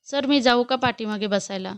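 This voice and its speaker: A woman playing a gentle young woman in a storybook, soothing and pleading as she calms someone she protects. Her voice is fairly high, smooth and clear, recorded dry and close. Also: normal speed, dry recording, lightly acted.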